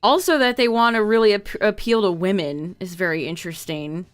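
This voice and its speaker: This young woman streamer, whose voice is medium in pitch, brisk and smooth, is losing her voice as she chats casually with her viewers. She reads notes aloud and adds asides, with faint music playing behind her.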